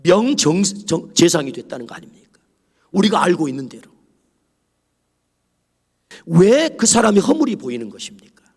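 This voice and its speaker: A male pastor delivers a sermon with a high, animated voice that swoops up and down. There's a husky edge to his tone, and he drops into whispers for quoted lines. The sound carries a long reverb from the church sanctuary. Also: normal speed, long pauses.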